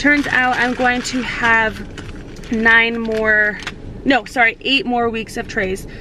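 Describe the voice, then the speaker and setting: Her voice is fairly high for a woman, with fairly even intonation, at a very slow pace. Noticeable background noise can be heard. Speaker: vlogger. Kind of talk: casual vlog update.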